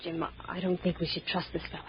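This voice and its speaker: A woman's voice: on the low side, level tone, fast, slight background noise, natural voice. An actress playing a brave but anxious, well-spoken young woman in an old radio thriller. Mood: worried, determined. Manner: earnest, genteel melodramatic delivery. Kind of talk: 1940s radio thriller acting. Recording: muffled old radio recording.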